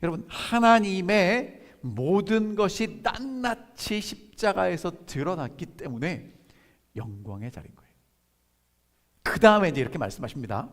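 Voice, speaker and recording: A pastor preaching a sermon, who keeps asking the congregation questions and then answers them, and reads scripture slowly and softly. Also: male voice, high voice, expressive. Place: church sanctuary. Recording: long church hall reverb.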